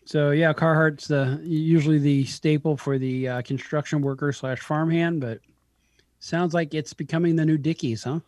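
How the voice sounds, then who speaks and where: A man's voice: a little high, fairly even intonation, normal speed, a little mellow, dry recording. A man co-hosting a casual talk show, bantering and joking with the host. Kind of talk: casual chat.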